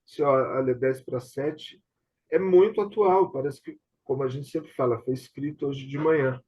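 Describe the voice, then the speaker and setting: Husky Brazilian man, dull lo-fi audio. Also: medium pitch, normal speed. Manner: hesitant, often seeking confirmation. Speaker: host. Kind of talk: casual conversation about theatre and television. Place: remote online video session.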